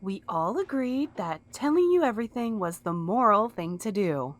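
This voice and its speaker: A female voice of middle pitch, swinging widely, an actress as an anxious, conscientious young woman in an audio drama. She sounds earnest and emotional, always half pleading. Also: very animated, moderate pace, lightly acted.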